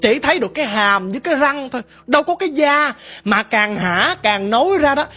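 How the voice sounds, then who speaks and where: Husky woman storyteller. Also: high-pitched, animated, brisk, bright, forceful tone. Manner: vivid, emphatic, first-person storytelling. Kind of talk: ghost story narration.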